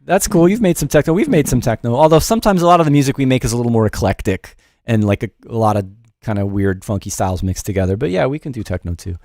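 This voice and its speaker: A man's voice: mid-range voice, lively intonation, fast talker, a little mellow, dry recording. Middle-aged man, livestream music teacher, casual, rambling, self-deprecating, dry room-free sound. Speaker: music production teacher and show host.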